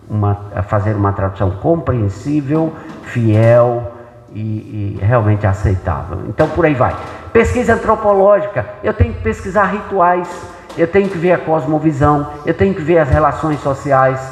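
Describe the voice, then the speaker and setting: Brazilian man lecturing in an echoey church hall. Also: mid-range voice. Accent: Brazilian Portuguese. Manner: explanatory, conversational, checks in with rhetorical questions. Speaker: pastor and Bible translator giving a talk. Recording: echoey hall with long reverb.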